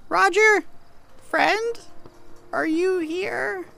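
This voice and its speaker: A woman's voice: vocal fry, bright, forceful tone, heavily acted. A woman voicing a frail, lonely, eager little boy with a shrieky, plaintive way of pleading, in an improvised roleplay audio drama. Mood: timid, lonely. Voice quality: high-pitched, shrieky. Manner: plaintive, drawn-out, repeating pleas.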